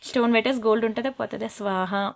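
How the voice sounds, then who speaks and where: A woman selling jewellery in a brisk, persuasive sales pitch, slipping into scolding asides. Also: steady tone, creaky. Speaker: jewellery seller.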